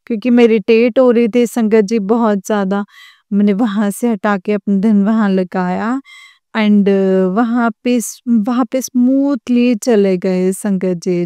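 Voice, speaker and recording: A woman's voice: mid-range voice, dark tone, clear, resonant tone, no room sound, clean studio sound. A young woman earnestly telling a personal story to a religious congregation, addressing her listeners again and again. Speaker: devotee sharing experience.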